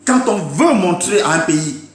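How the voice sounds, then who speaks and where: A political commentator with a high-sitting, expressive voice delivers an impassioned live-stream rant a little slowly. He is emphatic and scolding, repeating his points to listeners, and the sound is roomy.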